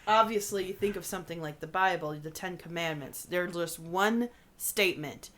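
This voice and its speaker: A woman's voice: lowish voice, normal speed, a bit bright. A woman with a stuffy nose from a cold, co-hosting a podcast in casual chat, sarcastic and easily exasperated. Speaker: podcast co-host.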